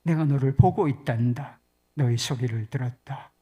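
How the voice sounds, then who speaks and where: A woman preacher voicing God as a gentle, steady, fatherly presence, speaking low and slowly. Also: slightly rough. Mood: tender.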